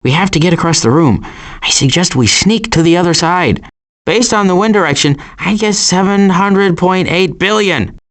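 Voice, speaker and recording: In this animated video game, an adult male turtle is voiced by a man with a high voice at normal speed. The character is cautious and anxious, fretful and wry, with deadpan sarcasm and some stammering.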